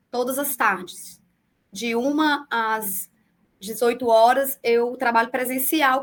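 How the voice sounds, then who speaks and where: A woman in her forties talks over a video call with a high, light voice. Her Brazilian accent blends the far south with the northeast. She explains things at a measured pace, dropping small fillers along the way. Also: fairly bright tone. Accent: mixed southern Brazilian and northeastern Brazilian Portuguese. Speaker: public defender. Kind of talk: remote interview answers.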